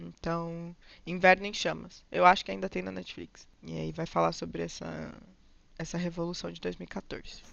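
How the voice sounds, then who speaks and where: Moving at a moderate pace, a woman's voice shows big swings in loudness. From Brazil. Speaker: refugee from Ukraine war. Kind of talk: interview, casual chat.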